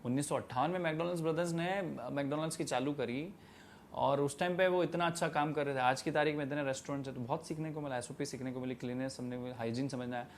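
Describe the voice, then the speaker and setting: A young man talks quickly and emphatically in an interview, his voice sitting a little high. He lectures with conviction and drops in English phrases. A faint hiss of noise sits behind him. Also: fairly even intonation. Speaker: guest, tea stall entrepreneur. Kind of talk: animated interview answers.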